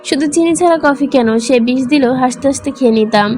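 A woman's voice: high voice, a little fast, darkish tone, natural voice. A woman voicing a teasing, cocky young man in love, reading a romance novel aloud in a playful, bossy way. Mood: tender.

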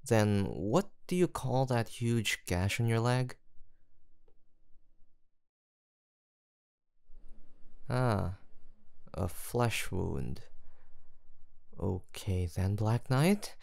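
A man voicing a gentle, protective man who talks softly and teasingly to a frightened stray he has rescued, in a close audio roleplay. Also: on the low side, expressive, takes it slowly, gravelly, no room sound, full character voice. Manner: soft teasing, coaxing and reassuring.

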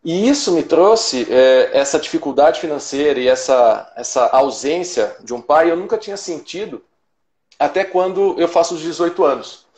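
A man's voice: a little high, moderate pace, a little mellow, echoey room. A man in his forties telling his life story in a personal, reflective way, with many restarts. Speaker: guest trader. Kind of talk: casual storytelling.

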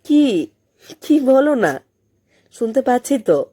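A woman voicing a teasing, high-pitched teenage girl. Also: sing-song, takes it slowly, mellow, heavily acted. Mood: playful teasing. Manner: mischievous, bantering, mock-scolding. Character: teasing, playful teenage schoolgirl in love.

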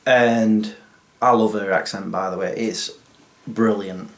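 A man's voice: fairly low pitch, takes it slowly. Self-mocking man vlogging. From England. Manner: self-mocking, animated, waves hands while talking. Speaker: YouTuber. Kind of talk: casual vlog chat to camera. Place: small home office with bookshelves, indoors.

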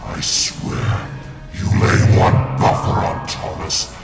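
A man's voice: slow, lightly acted. A man voicing an evil male ghost train engine in a fan audio drama, with theatrical villain threats. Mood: furious. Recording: echoey room with loud music.

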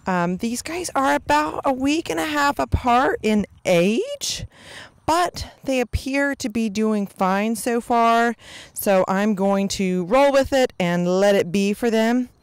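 A woman's voice: on the high side, animated, takes it slowly, clean tone, dry recording. A woman giving casual, unscripted homestead vlog commentary in a folksy way, recorded outdoors with a handheld microphone. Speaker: homestead vlogger. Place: outdoors on a grassy farm yard.

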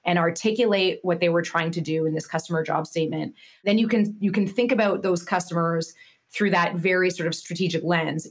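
Chatty woman, lowish voice. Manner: chatty, with many fillers and restarts. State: slightly nasal from losing her voice. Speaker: guest author. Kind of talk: conversational podcast interview.

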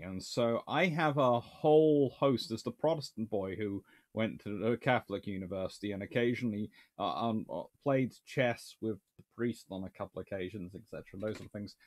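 A man's voice: lowish voice, fairly quick. A man in his thirties hosting a casual livestream from his home study, reading out viewer comments and rambling through answers with restarts. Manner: rambling, animated, with many restarts and fillers. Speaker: naval history livestream host. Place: small home study with shelves of books.

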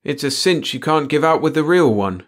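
A man's voice: fairly high pitch, expressive, normal speed, fairly bright tone, pitched above the performer's own voice. A man voicing a bored, stubborn male lab technician in a story, dry and blunt. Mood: disinterested. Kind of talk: storybook character voice in narration.

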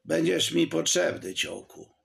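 Male reader doing a commanding nobleman, firm, gravelly, lively pitch. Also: unhurried, full character voice. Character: brooding nobleman host, commanding.

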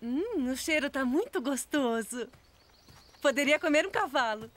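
A woman voicing a caring, cheerful young mother in a children's cartoon dub, gentle and reassuring, with a Brazilian accent. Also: sits high, lively intonation, measured pace.

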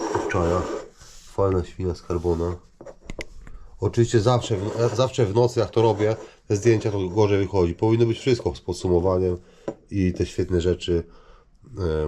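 A man giving casual, rambling vlog commentary, halting and repeating himself as he addresses viewers. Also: low voice, noisy background. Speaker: vlogger showing finds from discarded junk.

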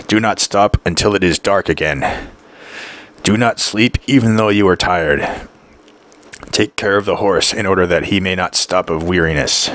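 A man's voice: low-pitched, fairly bright tone, dry recording. A man voicing a stern, anxious middle-aged mother who gives firm, urgent orders, in an audiobook reading.

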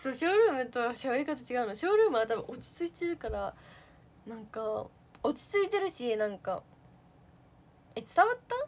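A young woman in casual livestream chat, answering viewer comments in a fairly high voice that swoops up and down a lot. She is chatty and giggly, packs her talk with fillers and sounds relaxed and unscripted. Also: normal speed, long pauses. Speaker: idol trainee livestreamer.

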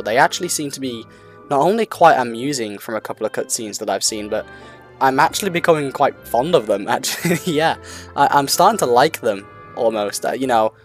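Man, middling pitch, casual gaming commentary, rambling, repetitive, hesitant, faint music. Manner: rambling, hesitant, repeats himself. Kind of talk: unscripted casual commentary on a video game.

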